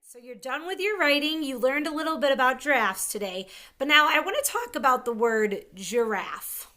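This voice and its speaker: A woman teaching an early-grade reading lesson, sounding out words slowly and clearly with an upbeat, encouraging manner. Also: high-pitched, animated, pushed and bright.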